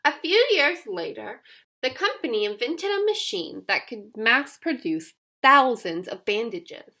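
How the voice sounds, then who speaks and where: A woman reading a children's picture book aloud as an expressive, emphatic storyteller with dramatic pauses. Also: high voice. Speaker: storybook reader.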